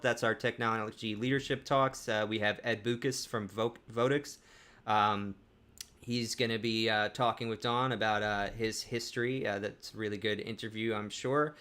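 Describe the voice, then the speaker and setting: A man co-hosting a live panel talk, speaking in a relaxed, conversational way with frequent restarts. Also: mid-range voice, moderate pace, smooth. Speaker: co-host.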